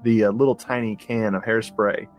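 A man's voice: fairly low pitch, fairly even intonation, moderate pace, faint music behind. A man co-hosting a podcast in casual chat about movies, talking enthusiastically with frequent restarts and fillers. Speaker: podcast co-host.

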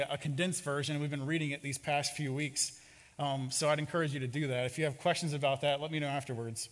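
Storytelling pastor in a reverberant hall. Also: male voice, a little high, fairly bright tone. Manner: storytelling with acted-out quotes. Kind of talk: sermon.

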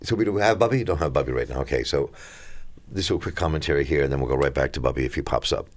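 Smooth, very deep-voiced radio host man. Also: rapid-fire. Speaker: radio talk show host. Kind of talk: live call-in radio talk show. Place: radio studio.

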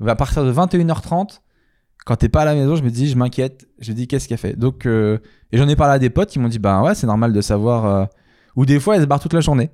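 Playful man with a dark, dry voice. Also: medium pitch, fast talker, no room sound. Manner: playful, addresses the audience directly. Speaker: co-host of a couple's show. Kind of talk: casual chat.

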